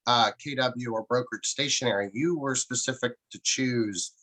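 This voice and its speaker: A man with a bright, forward voice and an average pitch hosts a casual interview. He talks informally, like a conversation between colleagues, recapping points and asking questions. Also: normal speed, low-quality recording. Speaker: interviewer, host.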